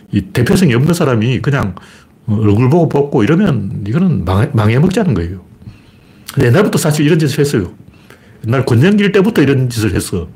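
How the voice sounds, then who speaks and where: With a medium, somewhat mellow voice, a middle-aged man delivers political commentary alone on a livestream. He keeps things plainspoken and casual, raising rhetorical questions only to answer them himself.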